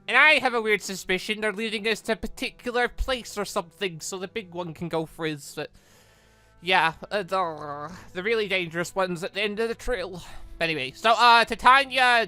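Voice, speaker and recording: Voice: mid-range voice, pushed and bright. A gaming channel host giving casual gameplay commentary in a rambling, conversational way, thinking aloud.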